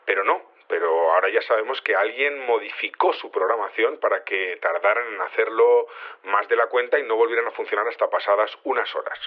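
Casting: male security chief, lowish voice, earnest and hesitant, heard over a muffled phone call in a radio drama. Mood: explaining, defensive. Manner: hesitant, halting explanations with frequent tags. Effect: phone-line filter. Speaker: head of security interviewed on air. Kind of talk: audio fiction acted as a live call-in interview. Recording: dull, band-limited phone call.

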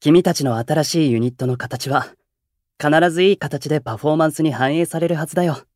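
A man voicing a calm, encouraging senior male idol who mentors younger members, in a voice drama. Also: on the high side, brisk, no echo, clean studio sound, close to an everyday voice. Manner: calm, warm-hearted, encouraging. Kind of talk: anime-style voice drama acting.

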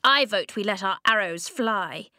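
A woman's voice: mid-range voice, expressive, a little slow, pushed and bright, no echo, clean studio sound. Woman doing a frosty, bitter girl. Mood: cold. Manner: frosty, clipped, coldly hateful. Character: hostile young girl, cold and bitter.

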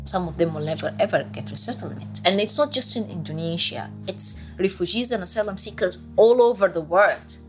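A woman, a refugee teacher giving candid, heartfelt testimony in slightly halting English. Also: mid-range voice. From Sudan. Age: 30s. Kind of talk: personal testimony. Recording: music playing behind.

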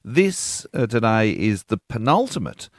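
A man's voice: on the low side, very animated, a little slow, no room sound, clean studio sound. A man with an Australian accent hosting a radio show in casual banter.

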